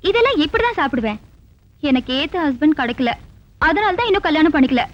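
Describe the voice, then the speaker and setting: Very high, affected female voice for a woman showing off, on a dull film soundtrack. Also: sing-song, fast, soft background music. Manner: affected, showing off modern tastes. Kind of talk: 1990s film comedy acting.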